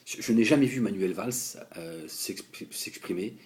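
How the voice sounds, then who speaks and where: Deep-voiced man in a heated monologue. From France. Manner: animated, halting, repeats words, addresses the politician directly. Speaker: political commentator.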